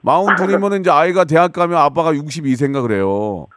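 A man's voice: on the high side, fast talker, a bit bright, no echo, studio quality. A man hosting a radio call-in show, chatting jovially and teasing his callers. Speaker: radio host. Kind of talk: casual radio call-in chat. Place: radio studio.

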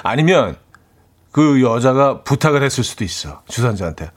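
A man hosting an easygoing radio talk show at an ordinary middle pitch, with a lively, rising and falling delivery. He chuckles and drops playful asides as he reads listener stories. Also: normal speed. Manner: relaxed, chuckling, playful quips. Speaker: radio host. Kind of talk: casual radio chat.

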